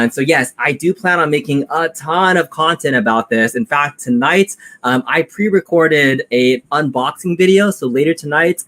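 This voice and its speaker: Relaxed rambling male product reviewer. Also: fairly high pitch. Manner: relaxed, rambling with many fillers. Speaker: product reviewer and content creator. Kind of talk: casual live-stream chat.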